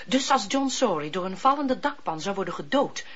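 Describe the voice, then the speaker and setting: An actress playing a blunt, skeptical, sharp-witted woman in a historical radio drama, speaking in a pointed, challenging way. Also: medium pitch, big pitch swings, moderate pace. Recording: muffled lo-fi radio drama recording.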